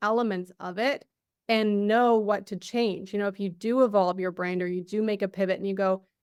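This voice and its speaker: A woman's unremarkable speaking voice at a moderate pace with fairly even intonation, in a very clean recording with a silent background. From Canada. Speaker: brand voice specialist. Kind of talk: interview conversation.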